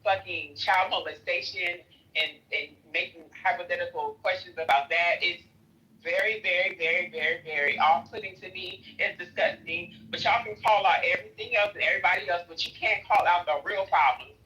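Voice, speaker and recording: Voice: medium pitch, fairly even intonation, a little fast, bright, forceful tone, lo-fi sound. A speaker with an African American accent arguing emphatically and confrontationally in a live audio chat, swearing freely. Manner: emphatic, confrontational, profanity-laden. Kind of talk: heated argument on a live audio chat app.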